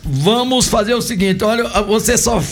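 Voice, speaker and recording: A man's voice: sits high, moderate pace, faint music behind. A man of about sixty, hosting a casual, chatty conversation. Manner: chatty, laughs easily. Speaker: host. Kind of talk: casual chat.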